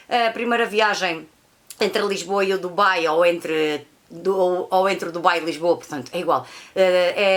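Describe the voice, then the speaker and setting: A woman with a European Portuguese accent talks through her monthly viewing in a relaxed vlog. She rambles, circles back and repeats herself, scattering fillers. Her voice sits fairly low. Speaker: vlogger reviewing films and series. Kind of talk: casual monthly recap vlog.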